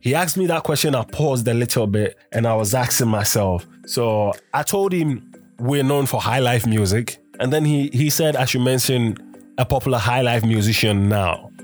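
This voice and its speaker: A man's voice: medium pitch, moderate pace, soft background music. A Ghanaian man with a Ghanaian English accent, hosting his show in a chatty, upbeat way and talking straight to his listeners. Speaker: podcast host. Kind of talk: casual hosted talk to listeners.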